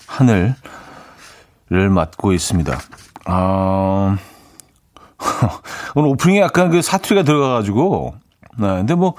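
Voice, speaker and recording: A man hosting a morning music radio show, chatting in a relaxed way with many small fillers and reading out listener messages in a studio. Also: mid-range voice. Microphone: studio microphone.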